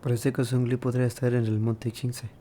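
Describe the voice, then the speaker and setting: A man's voice: medium pitch, little pitch movement, fast talker, dark tone, slight background noise. A man with a Mexican accent giving casual, joking gameplay commentary as a gaming video host. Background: game music.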